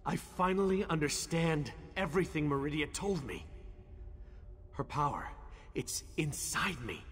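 An actor playing a determined young warrior companion who speaks earnestly and urgently in a video game. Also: male voice, fairly high pitch, expressive, unhurried, fairly bright tone, husky, full character voice. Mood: awed. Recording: long reverb with game music.

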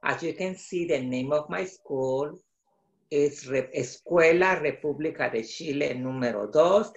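Middle-aged male author, Salvadoran accent, slightly high voice, read-aloud delivery, very roomy video-call sound. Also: measured pace, highs cut off. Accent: Salvadoran Spanish. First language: Spanish. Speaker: children's book author. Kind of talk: explaining and reading a picture book aloud. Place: small home office, indoors. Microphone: video call computer microphone.

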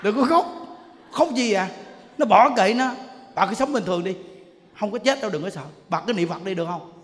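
A Buddhist monk preaches a sermon in a temple hall. He is a man with a fairly high voice who tells stories in an animated way and acts out the people he quotes. Long reverb and faint room noise hang behind him. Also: a little fast.

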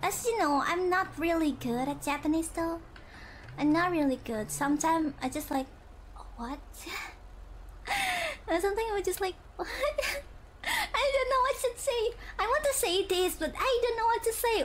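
A young woman from Indonesia chatting casually while gaming on stream, halting and searching for words, often giggling. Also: extremely high pitch, lively intonation, slight background noise. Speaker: virtual streamer.

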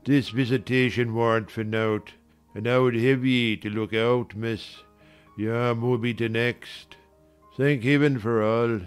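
A man acts a sanctimonious old servant from an audio drama, warning of doom. He speaks slowly and smoothly. Music plays behind him. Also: mid-range voice, lightly acted. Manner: slow, preachy, ominous.

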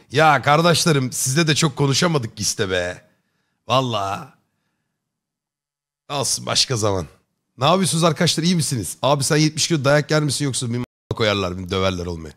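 A man's voice: medium pitch, expressive, brisk. Joking, chummy male streamer. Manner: joking, rambling, chummy slang. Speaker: live streamer chatting with viewers. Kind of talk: casual chat.

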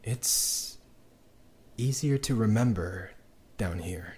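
A man playing a weary, wry young underground dweller in an audio drama, speaking in an intimate, reflective and halting conversational monologue. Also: on the low side, lively intonation, darkish tone. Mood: bitter, puzzled. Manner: reflective, halting, with sardonic little laughs and sighs.

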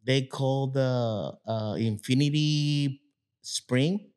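A man in his fifties from Guatemala, Spanish-speaking by birth, talking haltingly in broken English about his plant nursery in a casual interview. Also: mid-range voice, a little mellow, clear, resonant tone. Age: 50s. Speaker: guest, nursery owner.

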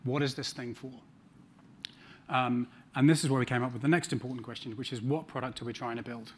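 A man's voice: mid-range voice, steady tone, brisk, breathy edge. A middle-aged man with a New Zealand accent giving a conference talk on a large stage, with dry humor and frequent ums. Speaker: conference speaker.

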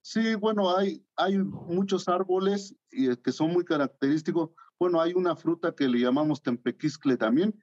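A man's voice: a little high, normal speed, few pauses, darkish tone, lo-fi sound. A man in his thirties from Oaxaca, answering interview questions in a hesitant way, with many fillers, over a video call from his studio. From Oaxaca, Mexico. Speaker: guest artist. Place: home art studio.

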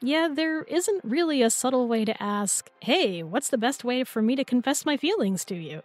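A woman's voice: on the high side, lively intonation, moderate pace, no room sound, soft background music. A young woman playing an affectionate, teasing new girlfriend in an intimate roleplay audio, with a playful, tender, coaxing manner. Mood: reassuring, affectionate.

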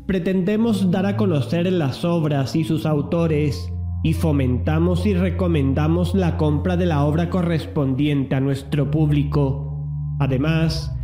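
A man reading a scripted disclaimer as an announcer, in a formal, measured manner. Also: a little high. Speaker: audio drama project announcer. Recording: roomy echo under loud music. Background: music.

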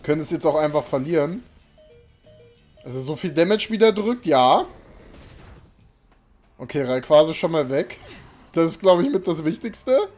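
A man's voice: a little high, sing-song, normal speed, pauses often, a little mellow. A young man live-streaming a game at home, chatting casually and rambling to his viewers, sometimes breaking into exasperated outbursts. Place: small room indoors. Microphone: desk mic, webcam in a home room. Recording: faint game music behind.

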